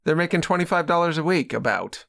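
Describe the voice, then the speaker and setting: A man's voice: a little high, animated, fast talker, gravelly, a bit bright. A man from Boston, a podcast guest who laughs often and asks playful questions. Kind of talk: comedy chat.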